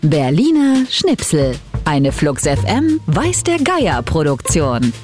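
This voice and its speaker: A woman announcing a radio station's segment in a drawn-out, sing-song way. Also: low voice, wildly swooping pitch. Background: music.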